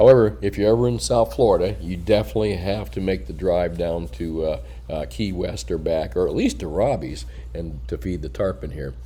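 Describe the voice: A man's very deep, low voice with a dark, mellow tone, vocal fry, very wide pitch swings and a fairly quick pace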